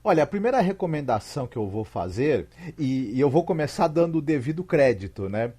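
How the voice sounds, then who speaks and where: Brazilian man, podcast guest, medium-pitched voice, casual explanation, halting phrasing. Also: sing-song, dark tone, husky. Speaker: podcast guest giving recommendations.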